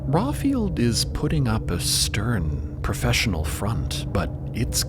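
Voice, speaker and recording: A man co-narrating a story podcast in an atmospheric, theatrical, drawn-out style. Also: mid-range voice, wildly swooping pitch. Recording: loud music behind the voice.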